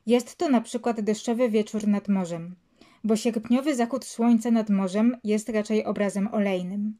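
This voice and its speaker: A woman's voice: mid-range voice, moderate pace, warm tone. A woman reads a literary passage aloud and then comments on it hesitantly, with many fillers. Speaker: reader and commentator. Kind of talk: reading a literary text aloud, then reflecting.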